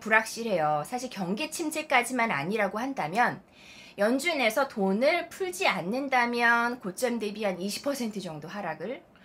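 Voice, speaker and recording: A woman's fairly high, bright and sharp voice at a moderate pace, swinging very widely in pitch. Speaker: stock market YouTuber. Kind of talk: market commentary vlog. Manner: casual, conversational with fillers.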